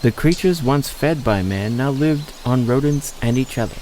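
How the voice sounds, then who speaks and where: A man with a mid-pitched voice narrates a scripted audio story. Faint outdoor nature sounds and insects run behind his reading. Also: animated, normal speed, darkish tone, a little hiss or hum.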